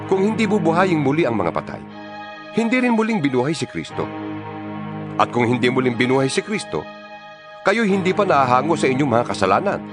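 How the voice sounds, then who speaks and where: Male, Filipino accent, actor as fervent preaching apostle in audio scripture drama; widely swinging intonation, clear music bed. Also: mid-range voice, lightly acted. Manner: earnest, emphatic, preacherly, deliberate phrasing. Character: impassioned male apostle exhorting his fellow believers by letter.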